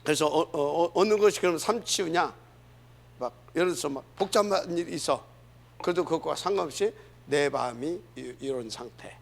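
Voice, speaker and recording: Gravelly, emphatic male pastor preaching. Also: a little high, moderate pace. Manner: earnest, emphatic preaching with rhetorical questions to the congregation. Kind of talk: sermon. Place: church.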